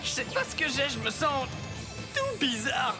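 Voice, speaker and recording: A woman's voice: high-pitched, sing-song, measured pace, music in the background, heavily acted. A woman playing a cocky, impulsive preteen boy hero in a French cartoon dub, boastful and exclamatory. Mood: uneasy.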